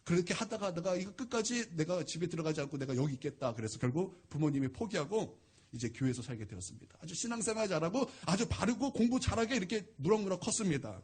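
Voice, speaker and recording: A man preaching a Sunday sermon as a pastor, telling a story with lively acted-out dialogue. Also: high voice, breathy edge. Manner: animated, acts out quoted dialogue. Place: church sanctuary.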